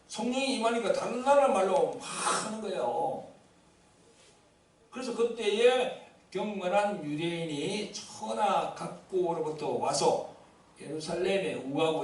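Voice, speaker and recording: 울림 큰 교회에서 설교하는 경상도 남자 목사. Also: male voice, fairly high pitch. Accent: Gyeongsang Korean. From Gyeongsang region, Korea. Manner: conversational preaching with congregation responses and asides. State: seated due to an injured ankle. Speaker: pastor. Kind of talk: sermon. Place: church sanctuary. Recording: very echoey church hall, somewhat distant mic.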